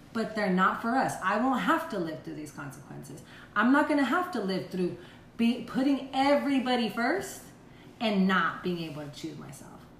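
A woman speaks in an animated tone with very wide pitch swings and big swings in loudness, amid audible room echo and noticeable background noise. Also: fairly high pitch for a woman, moderate pace. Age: 20s. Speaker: podcast co-host. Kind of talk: casual chat.

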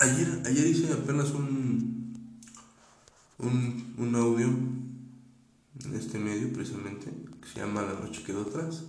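Talking very slowly in a Mexican accent, a man with a medium pitch and ordinary pitch variation swings widely in loudness, with noticeable background noise and audible room echo. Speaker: podcaster. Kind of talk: casual monologue.

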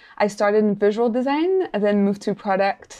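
A woman is speaking. She has a French accent. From France, Paris. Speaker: service designer. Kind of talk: casual interview.

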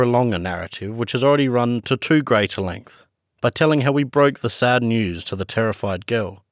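A quiet background behind plain reading aloud

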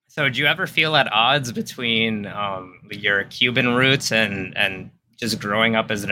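With an American accent and a bright, sharp tone, a man of fairly low pitch talks at a moderate pace with hardly any pauses. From New York City. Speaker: podcast co-host, engineering PhD student. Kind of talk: podcast interview.

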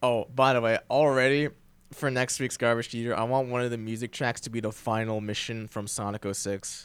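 A man speaks in an ordinary speaking voice at medium pitch and a moderate pace. His intonation stays fairly even. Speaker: podcast co-host. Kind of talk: casual chat.

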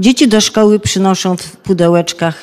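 A woman talks in a medium register, her pitch varying in an ordinary way. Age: old. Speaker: pedagogy lecturer. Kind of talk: lecture.

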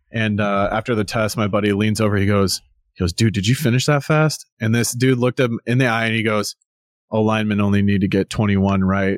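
At a fairly quick pace, a man with an American accent and a plain, everyday voice talks with fairly even intonation and very even loudness, the sound dry and close with no echo. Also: fairly low pitch for a man. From US Midwest. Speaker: NFL long snapper. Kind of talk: casual chat. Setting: video call.

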